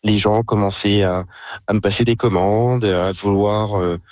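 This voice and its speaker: A man's voice: fairly low pitch, fairly even intonation, a little slow, darkish tone, dry recording, clean studio sound. A young man from France, a guest in a casual interview, talking hesitantly with many fillers and restarts. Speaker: interview guest, pastry caterer.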